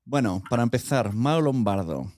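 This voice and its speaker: Lively Spanish man hosting a casual chat. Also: mid-range voice, moderate pace, no room sound, studio quality. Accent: Spain Spanish. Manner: informal, jokey. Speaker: podcast host, interviewer.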